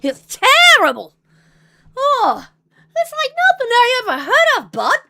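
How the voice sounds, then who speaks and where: A woman's voice: very high voice, huge pitch swings, a little slow, gravelly, background noise, pitched above the performer's own voice, exaggerated voice. A woman putting on a rowdy Canadian man from Ontario who rambles crudely with lots of fillers. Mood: rowdy, mocking.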